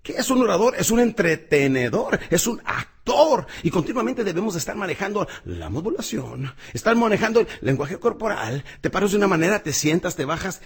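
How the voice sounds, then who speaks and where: Middle-aged male speaking coach, husky voice, big swings in pitch and loudness, motivational lesson. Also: big pitch swings, fairly quick, few pauses. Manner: emphatic, swings pitch and volume widely.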